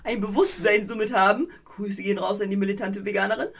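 A woman co-hosting a podcast in casual chat, animated and rambling, with many fillers and a playfully mocking edge. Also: medium pitch, fast, creaky, noisy background. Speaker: podcast co-host.

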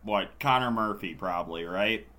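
A man's voice: on the low side, normal speed, pushed and bright. A hungover man co-hosting a casual sports podcast, talking in a dry, sardonic way. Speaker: podcast host.

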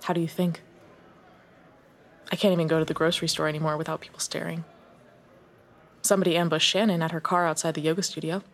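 A worn-out woman visiting an accused friend speaks in a curt, resentful manner, her voice sitting somewhat low. This is an audio drama. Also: little pitch movement, fast talker, long pauses.

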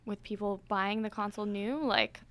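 A woman's voice: medium pitch, little pitch movement, normal speed, no room sound. A woman taking part in a casual podcast panel chat about video games.

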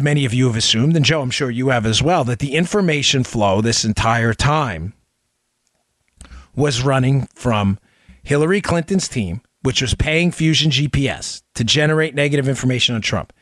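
A man's voice: medium pitch, expressive, moderate pace, fairly bright tone, no room sound, studio quality. A man hosting a political talk show, giving opinionated commentary with rhetorical questions, repeated phrases and direct address to listeners.

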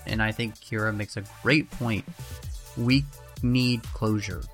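A man discussing a show in a thoughtful, measured way during a podcast clip. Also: fairly low pitch, steady tone, fairly bright tone. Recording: faint music behind.

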